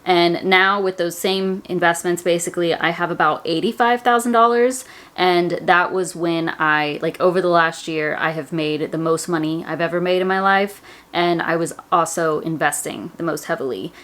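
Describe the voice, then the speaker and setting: Chatty thirty-something woman, bit of a twang, lower voice, rambles with lots of "like"s, talking to her channel. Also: steady tone, normal speed, fairly bright tone. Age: 30s. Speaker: personal finance YouTuber. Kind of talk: casual chat to camera.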